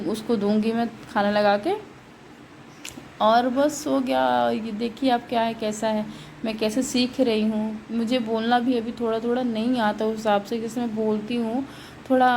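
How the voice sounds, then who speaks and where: A woman, her voice sitting a little high. She chats in a rambling way as she cooks and explains each step, recorded in a home kitchen with faint household noise behind her. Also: fairly even intonation, moderate pace, a little mellow, low-quality recording. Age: 30s. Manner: chatty, rambling, explains steps while working. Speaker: vlogger. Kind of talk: casual home vlog while cooking.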